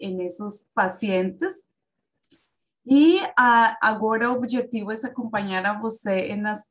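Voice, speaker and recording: A woman from Colombia with a Colombian Spanish accent, a native Spanish speaker, introducing herself hesitantly to a class as a doctoral teaching assistant. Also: medium pitch. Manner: hesitant, with many fillers.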